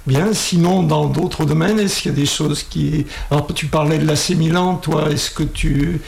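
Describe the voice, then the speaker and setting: A man's voice: fairly high pitch, steady tone, normal speed, vocal fry, a little mellow. A man hosting a casual interview with students, asking friendly questions and often hesitating and restarting his sentences. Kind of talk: casual radio-style interview.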